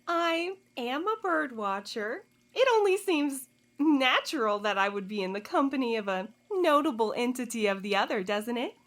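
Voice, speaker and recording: A woman's voice: fairly high pitch, expressive, normal speed, fairly bright tone. An actress playing a haughty, sardonic woman cultist in an audio drama, speaking in theatrical, disdainful phrases. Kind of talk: scripted audio drama acting.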